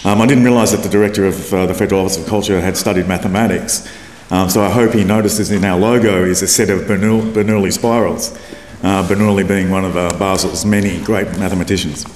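A man's voice: sits low, steady tone, fast talker, darkish tone. A man hosting a conference, introducing the next speaker with many hesitant fillers. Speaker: event host. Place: conference hall. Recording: echoey hall with faint noise.

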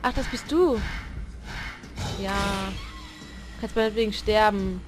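A woman's voice: mid-range voice, slow pace, background noise. A woman giving unscripted commentary on a horror game she plays blind, jumpy, exclaiming, cussing and talking back to the characters. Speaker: let's player.

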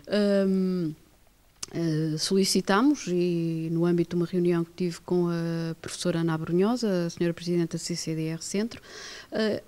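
Low, mellow Portuguese woman's voice. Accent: European Portuguese. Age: middle-aged. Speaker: mayor being interviewed. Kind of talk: formal interview answer. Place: indoors, plain-walled room. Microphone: handheld reporter microphone.

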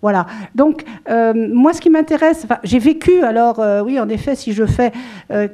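A woman's voice: fairly high pitch, normal speed, warm tone. A middle-aged French woman talking about her writing at a book event, holding a handheld mic and speaking in a rambling way with many fillers and restarts. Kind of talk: casual spoken talk to an audience. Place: small room with a seated audience.

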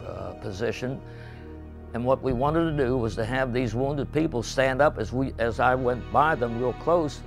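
An older man with a low, gravelly voice tells his story slowly, pausing often to find the words. Soft music runs under him in a quiet studio interview setting. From western Pennsylvania. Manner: measured, halting recollection with frequent pauses. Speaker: veteran interviewee. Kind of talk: recorded oral history interview. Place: indoor studio with painted backdrop.

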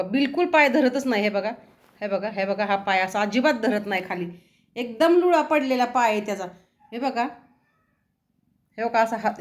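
A middle-aged woman with a Marathi accent, a vlogger who calls to her pets in a high sing-song voice and chats about them in a casual way. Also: echoey room. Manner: coaxing pets in a high sing-song voice, then telling a story in a low voice. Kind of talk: casual chat.

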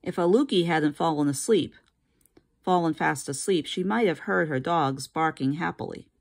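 A woman with a low voice reads a children's picture book aloud for her students. Her narration is expressive and steady, made for young listeners at home. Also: moderate pace, vocal fry. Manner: expressive reading. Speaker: teacher reading aloud. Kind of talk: storybook read-aloud.

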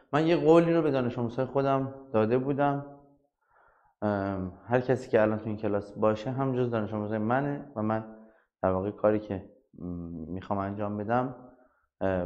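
A soft-spoken man teaching physics in an online class, chatting directly to his students. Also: on the low side, highs cut off.

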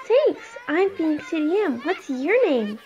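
An excitable little girl pony from an amateur cartoon, acted out by a woman. The voice is extremely high and childlike, unhurried, with big sweeping swings of pitch and a sweet, gushing eagerness. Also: slight background noise. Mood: friendly.

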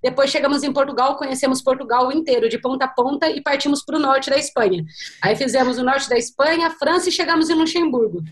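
A woman in her thirties from Brazil, a guest on a video call, listing facts in a brisk and matter-of-fact way, heard through a laptop microphone at home. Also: sits high. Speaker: guest, travel blogger. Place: small home room. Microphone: laptop webcam on video call.

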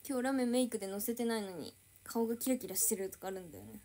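A woman's voice: fairly high pitch, fast talker, warm tone. A young woman idol chatting casually on a livestream, reading and answering viewer comments.

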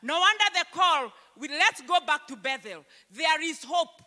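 A woman's voice: high-pitched, lively intonation, sharp tone. Kenyan woman preaching in a hall. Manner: emphatic preaching, slowing to read scripture. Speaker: pastor. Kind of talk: sermon. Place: church stage, large hall. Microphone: handheld mic. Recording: long church hall reverb.

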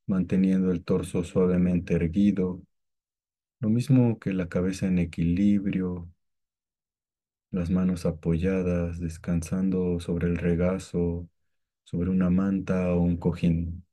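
A man guiding a meditation with calm, gentle, scripted instructions and long pauses between phrases. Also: low voice. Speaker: meditation guide.

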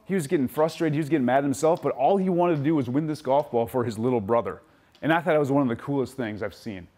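A man's voice: medium pitch, quick pace. A man giving an upbeat motivational talk to kids at a safety camp, telling stories and acting out children's voices. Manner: animated storytelling, acts out kids' voices. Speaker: camp speaker. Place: outdoor camp event.

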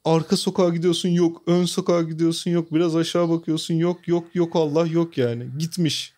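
High-pitched man telling funny stories. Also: fairly even intonation, fairly quick, dark tone. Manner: storytelling, laughs often. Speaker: podcast co-host. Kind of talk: casual chat, funny anecdote.

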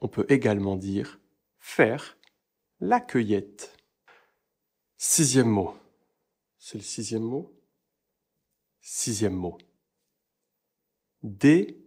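Un homme qui articule lentement et distinctement. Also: male voice, lowish voice, lively intonation, darkish tone, slightly rough. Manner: slow, deliberate, over-articulates words for learners. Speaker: French teacher. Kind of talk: pronunciation lesson.

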